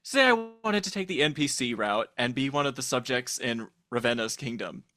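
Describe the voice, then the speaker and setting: A man speaking as a podcast guest in casual chat, expressive and playful. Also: medium pitch, a little fast, dry recording, studio quality, soft background music.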